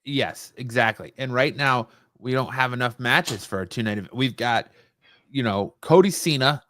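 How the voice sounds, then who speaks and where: Man, mid-pitched voice, casual sports discussion, podcast co-host, dry recording. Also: animated, moderate pace, fairly bright tone, dry recording.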